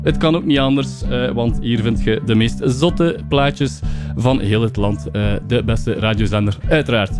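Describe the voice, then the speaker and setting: A man's voice: mid-range voice, normal speed. Flemish man, radio host, casual and chatty, music playing underneath. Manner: loose and chatty, many fillers.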